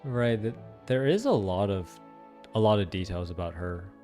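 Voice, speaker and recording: A man's voice: lowish voice, lively intonation, moderate pace, dark tone. A young man giving informal, musing reactions and commentary during a game playthrough. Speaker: gaming content creator. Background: faint game music.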